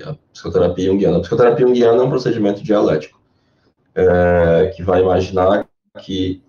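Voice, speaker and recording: A Brazilian man, a guest who works as a Jungian therapist, answers interview questions at length, explaining patiently like a lecturer. His low, mellow voice carries a Brazilian Portuguese accent. He is far from the mic, and the sound arrives over a dull, lo-fi line in an echoey room.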